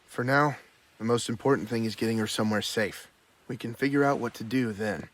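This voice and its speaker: An actor playing an earnest, protective young adventurer in an overacted anime dub. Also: male voice, medium pitch, fairly quick, natural voice. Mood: concerned.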